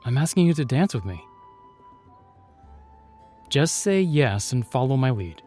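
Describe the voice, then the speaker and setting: An actor playing a chivalrous, shyly tender knight in a fantasy audio roleplay, speaking with courtly, reassuring and slightly hesitant phrasing. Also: male voice, mid-range voice, sing-song, a little slow, a little mellow, faint music behind.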